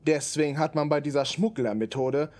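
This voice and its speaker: A man's voice: fairly high pitch, a little fast, darkish tone, close to an everyday voice. An actor playing a firm, know-it-all male police inspector in a radio play, authoritative and precise. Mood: matter-of-fact.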